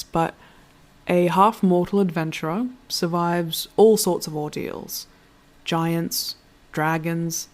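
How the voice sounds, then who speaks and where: A woman playing a reflective, literate storyteller in a scripted audio drama, musing in a measured, thoughtful way. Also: on the low side, darkish tone.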